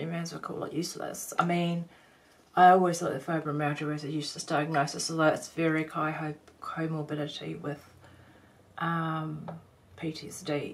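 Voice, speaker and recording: A woman talks at a moderate pace with a New Zealand accent. Her pitch is very deep and low. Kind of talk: casual talk to camera. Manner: hesitant, halting.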